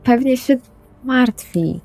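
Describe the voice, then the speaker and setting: A woman's voice: fairly high pitch, slow, gravelly, dark tone, soft background music, full character voice. A woman playing an anxious, literal-minded young female vampire in an improvised tabletop roleplay, speaking plainly and hesitantly. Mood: puzzled, worried.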